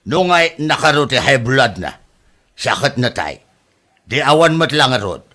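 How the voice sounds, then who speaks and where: A man's voice: medium pitch, sing-song, a little slow, pushed and bright. A man with an Ilocano accent playing a grown son who lectures and scolds his family in a comedy drama. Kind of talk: scripted drama acting.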